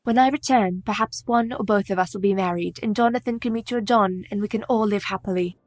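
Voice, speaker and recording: An actress playing a caring, composed young woman who speaks in steady, formal period English in a radio play. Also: mid-range voice, fairly quick, natural voice. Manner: steady, reassuring, formal speech.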